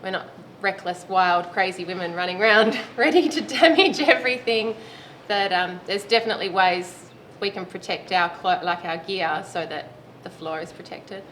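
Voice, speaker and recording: A roller derby player in her late thirties chats casually while answering interview questions, laughing now and then. Her medium-pitched voice is a bit bright, moving at a moderate pace with hardly any pauses, and the background is noisy.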